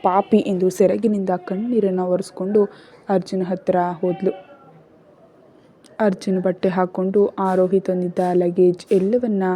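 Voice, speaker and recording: A woman storyteller narrating a serialized drama. Her voice is very dark and mellow, sitting at a middle pitch. The delivery is steady and dramatic. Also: normal speed.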